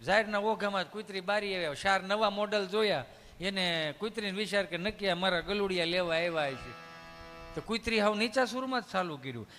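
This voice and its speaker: A man's voice: high voice, brisk, bright, forceful tone, big-room sound, soft background music. A man with a Kathiawadi Gujarati accent telling folksy comic stories on stage, chatty and acting out the dialogue. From Dhari area, Saurashtra, Gujarat. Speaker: stand-up comic storyteller. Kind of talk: live comic storytelling on stage.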